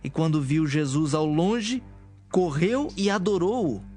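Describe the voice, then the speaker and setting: A man's voice: on the high side, animated, takes it slowly, mellow, slightly rough. A man reading scripted, dramatic narration for an audio Bible. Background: music.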